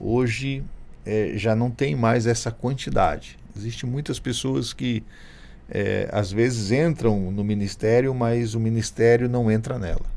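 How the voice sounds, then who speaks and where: A plain, everyday voice. It moves at a fairly slow pace with ordinary pitch variation. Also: man. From southern Brazil, coastal Santa Catarina (Sombrio). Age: 40s. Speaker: pastor. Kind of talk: interview, casual chat.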